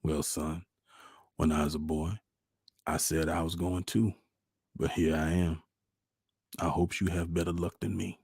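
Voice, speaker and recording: Storybook father acted by a man: rural Southern, deep, raspy, folksy, gentle and wistful. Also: flat delivery, unhurried, long pauses, no room sound, clean studio sound, full character voice. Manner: folksy, consoling, plainspoken. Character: gentle, wistful country father of a small boy.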